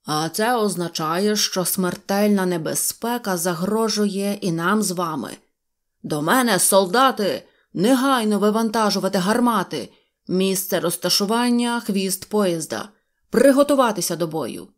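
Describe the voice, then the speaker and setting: Blustering toy soldier general, loud slow commands, suspicious of everyone, woman reading it out, storybook tale. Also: lowish voice, lightly acted. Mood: commanding. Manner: barking commands, slow and emphatic.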